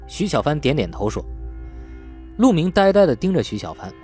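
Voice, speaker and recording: Animated male audiobook narrator. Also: fairly high pitch, moderate pace, faint music behind. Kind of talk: scripted novel narration with acted dialogue.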